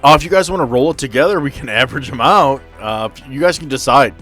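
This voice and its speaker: A man's voice: mid-range voice, expressive, fast talker, fairly bright tone. A man speaking as game master, improvising narration and explaining rules at a tabletop role-playing game. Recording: music behind the voice. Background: music.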